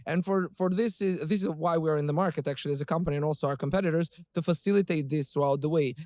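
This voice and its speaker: A man's voice: fairly high pitch, quick pace, a little mellow, dry recording, clean studio sound. A man hosting a business podcast, asking long, rambling questions and agreeing with his guest. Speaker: podcast host. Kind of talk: interview questions.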